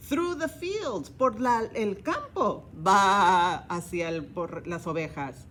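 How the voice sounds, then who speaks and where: A woman's voice: medium pitch, lively intonation, takes it slowly, a little hiss or hum. A woman librarian reading a children's story aloud, each line in English then Spanish, with animal sounds.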